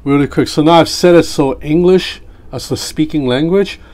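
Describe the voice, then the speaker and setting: A man whose first language is Cantonese, reviewing a gadget in a relaxed, chatty way from a tabletop indoors, talking into a separate mic as he demonstrates. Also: fairly high pitch, normal speed. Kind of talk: casual product review. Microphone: separate mic near the desk.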